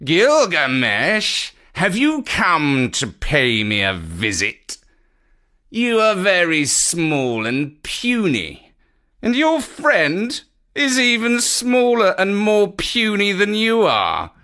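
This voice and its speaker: A man voicing a huge mocking male dragon in a storybook reading, booming and taunting. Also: wildly swooping pitch, slow, pushed and bright, full character voice.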